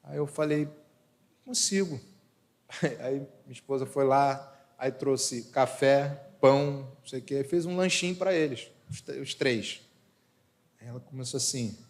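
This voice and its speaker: A man's voice: medium pitch, measured pace. A male pastor, preaching a sermon with personal stories, rhetorical questions and humorous asides. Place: church. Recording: church hall reverb.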